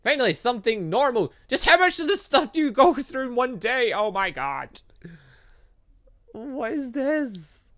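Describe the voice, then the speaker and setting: A gamer reads as an earnest young student in a visual novel game, easily flustered and a little hesitant. The voice is bright and animated. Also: mid-range voice, measured pace, voice pushed up. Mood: exasperated.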